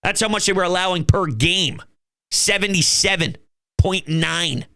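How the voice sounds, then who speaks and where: A man's voice: high voice, measured pace, pushed and bright. A man hosting his own fan channel, talking football in an emphatic, fired-up way and swearing now and then. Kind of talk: fan commentary vlog.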